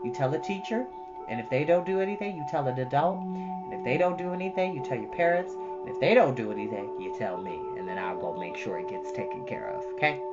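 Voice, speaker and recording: A woman's voice: very deep voice, a little fast, dull audio, loud music behind the voice. A woman reading a children's book aloud as storyteller, with dramatic emphasis and informal, chatty asides.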